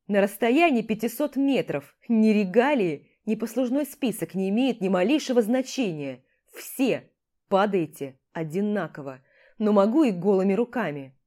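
A woman's voice: mid-range voice, lively intonation, normal speed, few pauses, dark tone, natural voice. Woman doing a snarling young soldier. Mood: defiant. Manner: snarling, defiant. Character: hot-headed young male special forces sniper in a fight.

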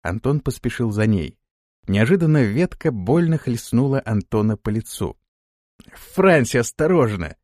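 A man narrating an audiobook with expressive storytelling. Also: mid-range voice, moderate pace, no echo, studio quality. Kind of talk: scripted narration.

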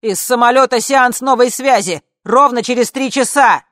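A woman reading an audiobook, voicing a frantic woman yelling bossy orders over a video link. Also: a bass voice, flat delivery, a little slow, no room sound, clean studio sound. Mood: frantic shouting.

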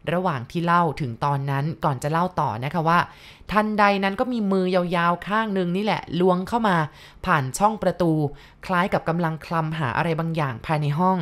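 A woman with a fairly low voice tells a ghost story to her listeners. She keeps a polite, courteous tone and speaks to the audience directly. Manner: polite, addresses listeners with soft particles. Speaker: horror story narrator. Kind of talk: told ghost story narration.

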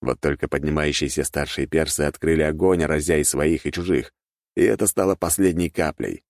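A man narrating a fantasy audiobook in a steady, even reading voice, recorded close to the mic. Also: rumbling low, brisk, no room sound.

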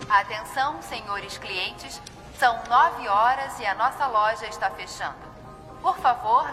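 A Brazilian woman playing a polite, formal store announcer over a reverberant public-address system in a film dub. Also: on the high side. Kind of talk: scripted store closing announcement. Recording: long reverb, distant loudspeaker, loud music.

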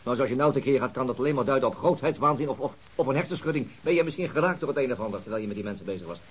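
Male senior detective for radio play: husky, brisk, probing, sensible and firm. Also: medium pitch, lively intonation. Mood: concerned, firm. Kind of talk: Dutch radio drama acting.

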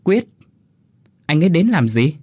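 A man voicing a grieving young woman who snaps in a raised, sharp voice. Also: fairly high pitch, big pitch swings, moderate pace, slightly rough, dry recording, voice pushed up. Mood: angry.

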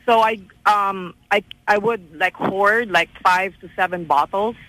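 A woman from Hong Kong calling in to a radio show, speaking hesitantly with many halting fillers. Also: mid-range voice, sharp tone, low-quality recording. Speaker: caller. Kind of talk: phone-in chat.

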